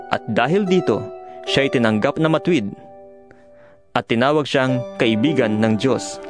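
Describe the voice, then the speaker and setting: A man gives an earnest, emphatic dramatized scripture reading, exhorting his listeners as a solemn narrator. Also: medium pitch. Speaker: narrator of a dramatized audio Bible. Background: music behind the voice.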